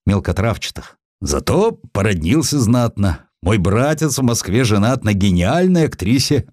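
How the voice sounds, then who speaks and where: A grumpy old general turned editor, acted out by a male narrator, speaks in a querulous, old-fashioned way. His pitch swings widely as he grumbles, and the sound is dry and close. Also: sing-song, normal speed, darkish tone, dry recording. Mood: modest, aggrieved. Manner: querulous, plaintive, old-fashioned colloquial speech. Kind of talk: audiobook character acting.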